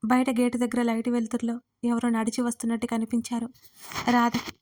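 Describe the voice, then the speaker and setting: Female narrator, audio serial; fairly high, flat even reading. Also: brisk. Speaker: storyteller. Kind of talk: scripted story narration.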